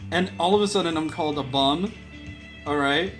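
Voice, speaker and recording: A man's voice: fairly high pitch, normal speed, a bit bright. A young man chatting casually, joking and drifting off on silly tangents. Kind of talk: casual streaming chat. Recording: guitar music clearly behind the voice.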